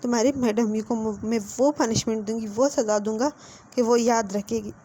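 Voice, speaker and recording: A woman's voice: on the high side, steady tone, moderate pace, mellow, slight background noise, close to an everyday voice. A woman voicing a protective young man who speaks firmly and reassuringly, in a fan-fiction retelling. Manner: firm, reassuring.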